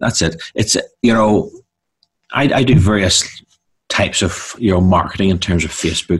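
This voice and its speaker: Somewhat breathy male speech at a moderate pace, with ordinary pitch variation. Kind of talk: casual interview chat. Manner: conversational, halting with fillers.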